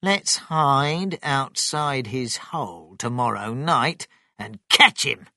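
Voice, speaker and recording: A storybook narrator voicing an angry, excitable male farmer with a barking, forceful manner. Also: medium pitch, takes it slowly, no room sound, clean studio sound, exaggerated voice. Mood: eager, excited. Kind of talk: children's storybook character voice.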